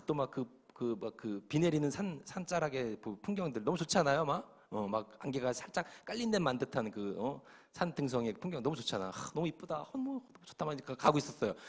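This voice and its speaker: A middle-aged male pastor telling a story in his sermon to young adults, acting out the dialogue as he goes. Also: on the high side. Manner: lively, animated storytelling with acted-out dialogue.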